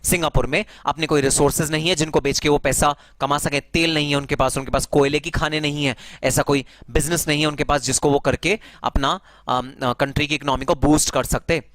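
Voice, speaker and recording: Male tax lecturer, slightly high voice, dry close sound, chatty and explanatory. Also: steady tone, brisk, hardly any pauses, a bit bright, dry recording. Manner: conversational, mixes in English terms, calls listeners brother. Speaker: tax teacher. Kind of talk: classroom lecture.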